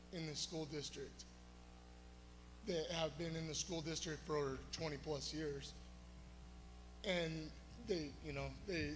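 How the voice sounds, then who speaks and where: Loud male parent at public comment, slightly high voice, echoey hall, hum behind. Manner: loud, rambling, filler-heavy speech. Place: public meeting room.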